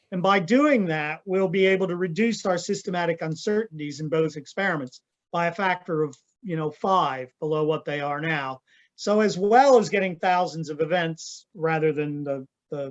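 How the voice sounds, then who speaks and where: A normal speaking voice with ordinary pitch variation moves at a moderate pace over a quiet background. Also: man. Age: 60s. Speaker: physics professor. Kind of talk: lecture Q&A. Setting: online event.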